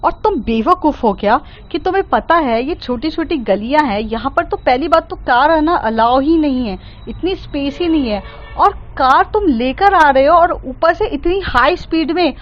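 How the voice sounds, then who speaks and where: A woman's voice: sits high, animated, moderate pace, dull audio. A woman voicing a fierce, principled young woman who scolds angrily and keeps a formal, polite tone. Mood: furious.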